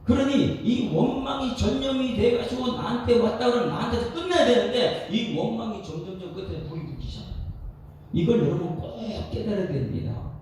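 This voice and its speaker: A male pastor gives an animated dawn sermon and puts questions to his congregation, heard from a distant mic in an echoey church. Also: high-pitched, fairly quick. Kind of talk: expository sermon at a dawn prayer service. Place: church sanctuary. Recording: echoey hall, distant mic, faint noise.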